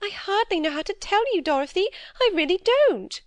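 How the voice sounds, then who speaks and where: Putting on the voice of a fretful, timid old spinster, a female narrator raises her pitch into a worried quaver. She frets and pleads in a fluttering rush at a moderate pace, with lively intonation, nearly crying. The sound is close and dry with no room sound.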